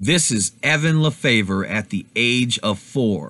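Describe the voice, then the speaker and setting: A man with an American accent speaks at a medium pitch, his lively intonation carrying a bright, sharp tone. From USA. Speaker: live streamer. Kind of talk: live stream commentary.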